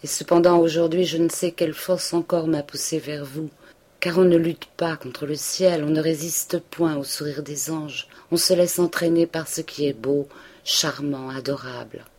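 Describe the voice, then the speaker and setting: Lady doing a lovesick young man, pleading, melancholy, low-voiced storybook reading. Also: steady tone, moderate pace, darkish tone. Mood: impassioned. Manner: impassioned, pleading declarations.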